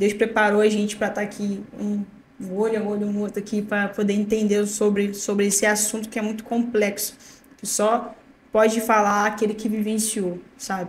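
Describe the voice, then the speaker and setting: With audible room echo, a woman speaks in a somewhat breathy voice at medium pitch and a moderate pace, her intonation monotone and flat. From Brazil, rural Rio de Janeiro state (Paty do Alferes). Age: 20s. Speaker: barber and evangelist. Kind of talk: testimony.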